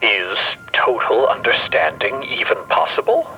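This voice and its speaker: Male robot voice, narrow radio-like band, bitter, sardonic, animated pitch, audio drama. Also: unhurried, soft background music. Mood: sardonic, doubting. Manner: grim, sardonic, incredulous.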